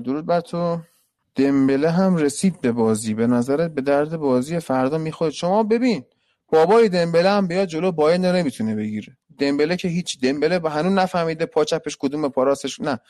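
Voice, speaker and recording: Guy with a highish voice doing a live football q&a, super opinionated, dry close sound. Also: darkish tone, no echo. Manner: blunt opinionated. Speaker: football analyst answering viewer questions. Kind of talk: live stream Q&A.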